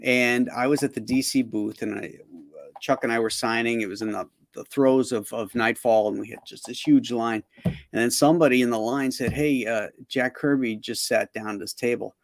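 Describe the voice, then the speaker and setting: A man's voice: medium pitch, fairly even intonation, moderate pace, no room sound. A middle-aged man hosting a casual interview over a video call, telling anecdotes with frequent laughs. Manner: chatty, laughs often while telling anecdotes. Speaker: show host.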